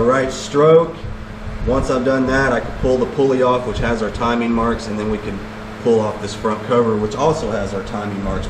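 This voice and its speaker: A middle-aged American man casually explaining a hands-on repair in a folksy, conversational way. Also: mid-range voice. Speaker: DIY mechanic vlogger. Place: hot space around a truck, fan running. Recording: loud fan noise behind voice. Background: fan noise.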